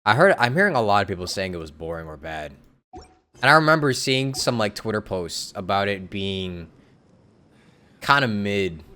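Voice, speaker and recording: A man's voice: on the low side, lively intonation, normal speed, bright, forceful tone, smooth. Laid-back man streaming a game. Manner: laid-back, laughs often, answers chat. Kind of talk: casual live-stream commentary.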